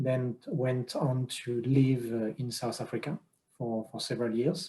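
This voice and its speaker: Here a man with a French accent talks at medium pitch with fairly even intonation. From France, rural farm. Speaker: circular economy expert. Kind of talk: panel interview. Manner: hesitant, many fillers.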